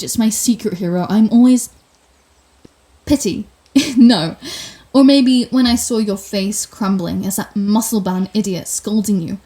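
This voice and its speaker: Woman playing a mellow, sardonic female supervillain. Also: medium pitch, natural voice. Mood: defensive, scornful. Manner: theatrical, wry, flustered denials, grand pronouncements. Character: telepathic female villain, proud, sardonic, secretly soft-hearted. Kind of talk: intimate ASMR audio roleplay.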